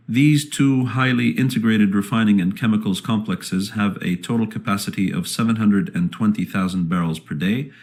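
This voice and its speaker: A man speaking as a company executive, reading a scripted earnings presentation in a formal, measured manner. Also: lowish voice, darkish tone.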